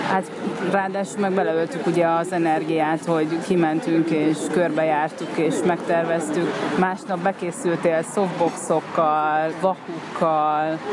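A fairly low-pitched woman's voice at a very slow pace, fairly even in intonation and very even in loudness, with audible room echo and crowd noise in the background. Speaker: photographer and podcast co-host. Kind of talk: casual chat.

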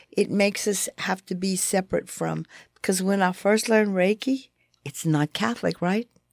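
In a Cajun accent, a woman speaks at medium pitch and a moderate pace with ordinary pitch variation. The sound is dry and close with no echo, on a very clean recording with a silent background. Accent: Cajun Louisiana English. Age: 60s. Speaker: podcast host. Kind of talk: casual interview conversation.

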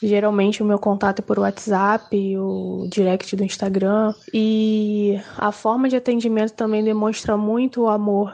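Her fairly high voice has a dark, mellow tone, and this woman talks at a fairly slow pace with flat, monotone intonation, very even loudness and hardly any pauses. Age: 20s. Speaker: baker. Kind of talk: testimony.

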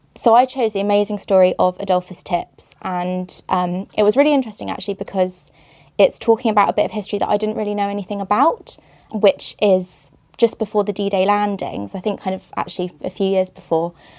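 An ordinary speaking voice from a woman, medium-pitched and fairly quick, with fairly even intonation on a very clean recording with a silent background. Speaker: library office staff. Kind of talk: casual book discussion.

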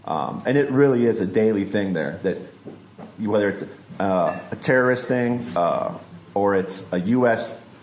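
Noticeable background noise surrounds a man with an American accent and a fairly low pitch. He pauses often and at length. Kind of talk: live podcast banter. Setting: stage with audience.

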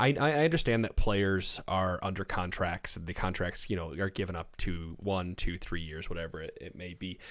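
Against a very clean recording with a silent background, a man talks at a moderate pace with a very deep, low pitch and ordinary pitch variation. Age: 30s. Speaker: podcast host. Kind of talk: interview.

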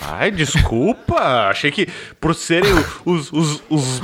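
Background noise is noticeable behind a man speaking in an animated tone. His pitch is fairly high. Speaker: podcast guest. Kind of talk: casual chat.

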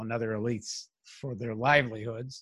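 A somewhat breathy man at medium pitch, moderate pace and fairly even intonation, with a dry, close sound with no echo on a very clean recording with a silent background. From Canada. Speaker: podcast host. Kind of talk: political interview.

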